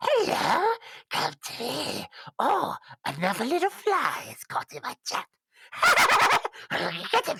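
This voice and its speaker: A put-on character voice with an extremely high pitch and a menacing tone speaks at a fairly slow pace with long, frequent pauses. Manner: menacing, gloating.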